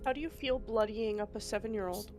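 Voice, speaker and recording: A woman playing a tabletop game, making quick, chatty remarks. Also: mid-range voice, a little mellow, soft background music. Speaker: player.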